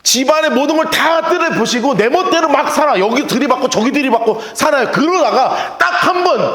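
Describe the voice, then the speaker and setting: A male pastor preaching a sermon in a lively, storytelling way, often laughing as he talks. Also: very high-pitched, roomy sound. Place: church sanctuary.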